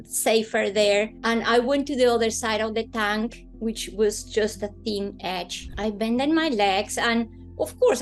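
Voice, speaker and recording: Woman, Colombian accent, native Spanish speaker, fairly high voice, expressive interview storytelling, dramatic emphasis, faint music behind. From Bogota, Colombia. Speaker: guest telling a personal story.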